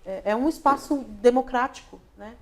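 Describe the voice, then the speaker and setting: A woman's voice: high voice, normal speed. Brazilian woman, thoughtful interview guest. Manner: thoughtful, with frequent "né?" and restarts. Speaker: guest, actress, director and lighting designer. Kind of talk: casual interview talk. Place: local talk show broadcast on social media.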